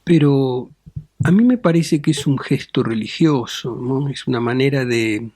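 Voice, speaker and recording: A middle-aged man speaks as a bishop in an interview, calm and deliberate, often ending phrases with a questioning tag. His voice sits at an ordinary pitch and is recorded dry and close. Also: no room sound. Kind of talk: measured interview answers.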